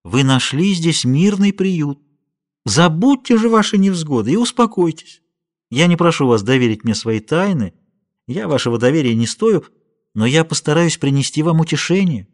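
A man reading a novel aloud, voicing a kind, motherly woman who gently comforts a stranger. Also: deep voice, expressive, brisk. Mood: soothing. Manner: gentle, soothing, compassionate.

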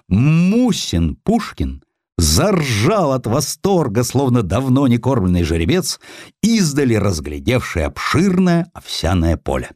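A man reading a historical story as narrator, in an expressive, theatrical and wry storytelling manner. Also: fairly low pitch, no echo, clean studio sound.

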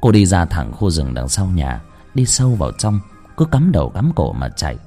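Male horror-story narrator, slow and dramatic, lively pitch, faint music behind. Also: long reverb tail.

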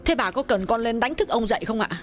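A man's voice: very high-pitched, expressive, fast, a bit bright, faint music behind, voice pushed up. A man voicing a frightened young woman servant who exclaims and fusses over her injured mistress. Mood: alarmed. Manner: frantic, exclaiming, fussing.

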